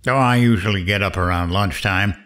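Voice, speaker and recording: An actor playing a cocky, vengeful late-night radio host, sardonic and goading, in dramatic narration and interview. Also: male voice, on the low side, fairly quick, a bit bright, lightly acted. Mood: mocking.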